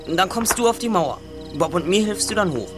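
A man's voice: high voice, expressive, fairly quick. Teen boy detective, bossy n articulate, radio play, music in the back. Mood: decisive, impatient. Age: teenager. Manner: articulate, decisive. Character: quick-witted, bossy teenage boy detective leading his friends. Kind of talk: German audio drama acting. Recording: music behind the voice.

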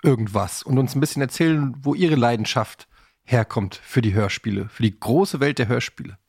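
A man's voice: medium pitch, moderate pace, darkish tone, husky, no echo, clean studio sound. A man co-hosting a podcast with casual banter, tossing in English slang. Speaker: podcast co-host. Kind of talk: casual chat.

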